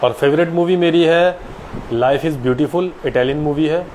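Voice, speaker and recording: A man's voice: on the high side, normal speed, a little mellow, slight background noise, poor audio. A man in his late twenties, an actor, answering viewers' questions casually and politely on a live stream. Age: 20s.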